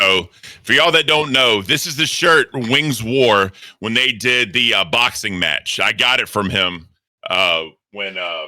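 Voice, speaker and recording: Using lively intonation and vocal fry, a man speaks at a fairly slow pace. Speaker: camping trip participant and cameraman. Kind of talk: casual live stream chat.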